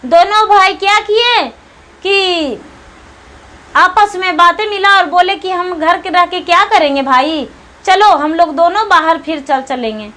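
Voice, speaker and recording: A woman's voice: very high voice, measured pace, bright, forceful tone. A woman narrating a Shiva devotional story, earnest and repetitive, often saying phrases twice.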